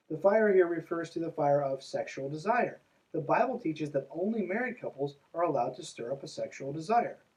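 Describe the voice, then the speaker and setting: A man's voice: fairly high pitch, a little mellow, distant mic, rough recording. A man hosting a podcast, reading aloud and breaking in with mocking, irreverent, conversational asides. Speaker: podcast host.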